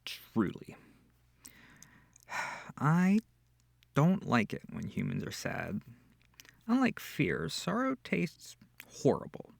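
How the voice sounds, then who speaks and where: A sweet, comforting incubus demon played by a man speaks close and dry in an ASMR roleplay. His voice is soft and breathy with a touch of gravelly creak, and he takes his time, tender and a little hesitant. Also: fairly high pitch, huge pitch swings, takes it slowly, long pauses, no room sound, exaggerated voice. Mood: sympathetic, awkward. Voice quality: breathy, often near whispering. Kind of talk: intimate ASMR audio roleplay.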